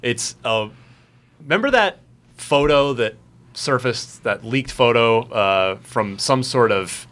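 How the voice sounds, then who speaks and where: Male podcast panelist, bright timbre, animated casual talk. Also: slow pace. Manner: animated, jumps into high mock voices when quoting. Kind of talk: casual chat.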